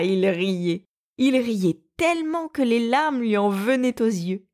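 A woman storyteller reading a children's story aloud with an expressive, lively delivery. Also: mid-range voice. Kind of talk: storybook read-aloud narration.

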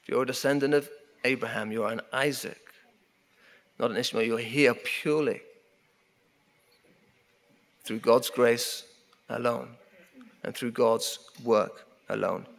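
A man's voice: mid-range voice, gravelly. Middle-aged man preaching in a reverberant church. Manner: emphatic, repeating key phrases, slowing down for weight. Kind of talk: sermon. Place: church sanctuary at a wooden pulpit. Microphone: pulpit microphone. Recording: long hall reverb of a church.

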